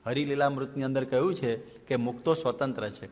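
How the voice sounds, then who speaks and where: Monk preaching in an echoing hall. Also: male voice, medium pitch, fairly quick. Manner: animated storytelling, rhetorical questions, mixes in English phrases. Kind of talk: sermon. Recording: long hall reverb.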